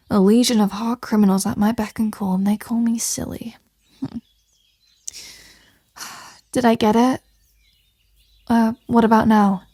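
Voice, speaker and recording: A woman's voice: a little high, darkish tone, no room sound. Woman playing a flirty mafia boss, close and dry. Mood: flustered, affectionate.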